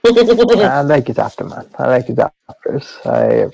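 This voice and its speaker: A man's voice: medium pitch, big pitch swings, unhurried, gravelly, darkish tone. A man chatting casually among friends as a podcast co-host. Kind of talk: casual group chat.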